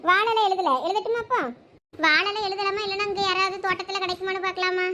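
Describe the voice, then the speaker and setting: A voice actor playing a dutiful young daughter-in-law in a cartoon, obliging and listing items, with a squeaky sped-up voice. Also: flat delivery, fast, bright, forceful tone, a little hiss or hum. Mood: asking. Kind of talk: cartoon voice acting.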